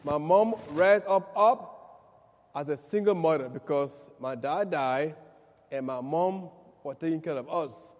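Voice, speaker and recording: Liberian pastor in a reverberant hall. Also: male voice, fairly high pitch, darkish tone. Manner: speaks slowly and deliberately, with emphatic rises. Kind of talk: prayer and testimony sermon. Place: church service. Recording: echoey church hall.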